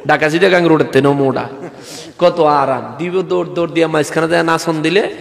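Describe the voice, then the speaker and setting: A man with a regional Bangladeshi Bengali accent preaching a lively sermon and calling on the crowd to respond out loud. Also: on the high side, a little fast, gravelly, big-room sound. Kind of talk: animated sermon with dramatized quotes.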